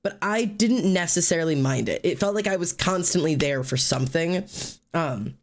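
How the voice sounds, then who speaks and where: This stream host, his nose stuffy and sniffly, calls out chatters by name to greet and thank them as he draws, wandering through loose talk with fillers and false starts. He sounds a little high and animated, at a normal speed.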